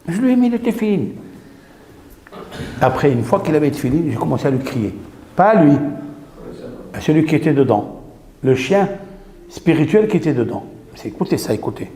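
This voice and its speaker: A man, a rabbi, recounting a story in an animated teaching style, mixing in Hebrew terms. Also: fairly high pitch, a little fast, long pauses. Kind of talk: storytelling Torah lesson. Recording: echoey room with faint noise.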